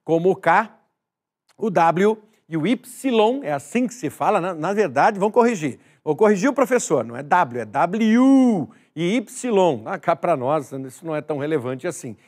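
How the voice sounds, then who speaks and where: A man's voice: on the high side, expressive, normal speed. A man teaching a recorded exam-prep grammar lesson, emphatic, repeating key words and speaking straight to the viewer.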